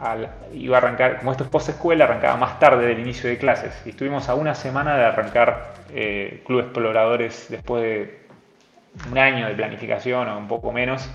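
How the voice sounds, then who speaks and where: Amid noticeable background noise, a man with a medium pitch speaks at a fairly quick pace with fairly even intonation. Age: 30s. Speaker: coworking founder and education project creator. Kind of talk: casual interview. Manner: halting, many repeated words.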